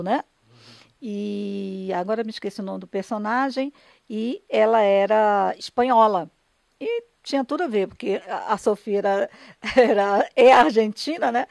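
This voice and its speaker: Older Brazilian woman, interview guest. Gravelly fry in the voice, dry close sound, emphatic but conversational delivery. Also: medium pitch, a little mellow, dry recording. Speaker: radio drama writer and director, interview guest. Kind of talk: conversational interview, explaining her work.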